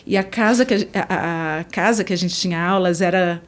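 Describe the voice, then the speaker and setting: A woman's voice: on the low side, normal speed. A woman from Brazil, a conference interpreter, chatting as a podcast guest and telling stories in a friendly, easygoing way. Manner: chatty, warm storyteller. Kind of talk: casual interview chat.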